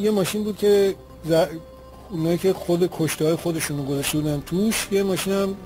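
A man's voice: a little high, low-quality recording. A man giving spoken testimony as an eyewitness, retelling events in an earnest, vivid way.

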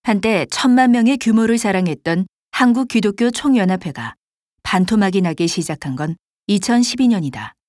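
A woman reading scripted documentary narration in a formal, measured manner. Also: medium pitch, expressive, darkish tone, dry recording, clean studio sound, close to an everyday voice.

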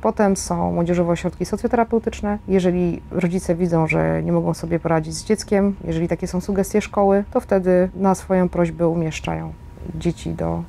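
A woman's voice: on the low side, steady tone, moderate pace, gravelly, dark tone, slight background noise. A woman who works as an educator, explaining things in an interview. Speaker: educator at youth centre.

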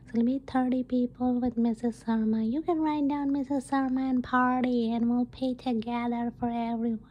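A woman playing an eager, chatty customer booking a retreat in an ASMR role play, gushing and breathy. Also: a little high, dark tone, voice pushed up, low-quality recording. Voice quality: husky, breathy. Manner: gushing, agreeable.

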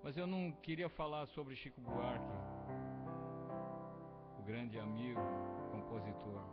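Older man musing over loud music. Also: mid-range voice, fairly even intonation. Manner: rambling, reflective, unhurried. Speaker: home radio host and musician. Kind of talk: casual spoken monologue. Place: small home room with a cloth backdrop. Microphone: large studio microphone close up. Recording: dull lo-fi webcam recording with loud music.

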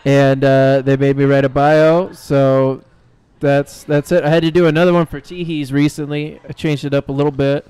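Smooth-voiced deadpan young comic. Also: male voice, a little high, moderate pace, no room sound. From born in Hawaii, grew up in California. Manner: dry, deadpan joking. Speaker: podcast guest, stand-up comic. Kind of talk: casual chat. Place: bar studio room, brick walls. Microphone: handheld mic.

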